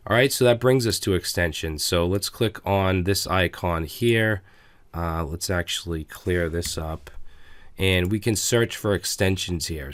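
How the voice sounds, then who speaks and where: A man with a slightly raspy voice giving a relaxed, casual coding tutorial while clicking through his editor, with frequent fillers. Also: sits low, dry recording.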